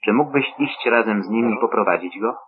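A man's voice: lowish voice, a crowd in the background, natural voice. A man reading as an old blind father. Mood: solemn. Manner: measured, solemn reading. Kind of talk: scripture reading. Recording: tinny phone-like radio sound.

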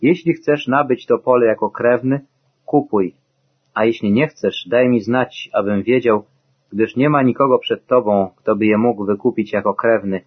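A man reading the part of Boaz, an older landowner, kind and firm, in a solemn, measured way, in a dull lo-fi recording. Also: medium pitch, breathy edge, lightly acted.

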